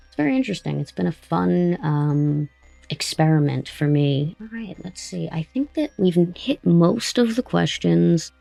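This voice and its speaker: Interviewer and writer, conversational, pronounced vocal fry, dry close sound. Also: mid-range voice, animated, normal speed, warm tone, no room sound, faint music behind, low-quality recording. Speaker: host, writer of an audio drama.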